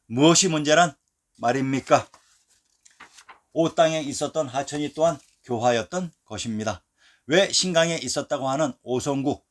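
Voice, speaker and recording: Man giving measured scripted narration. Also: medium pitch.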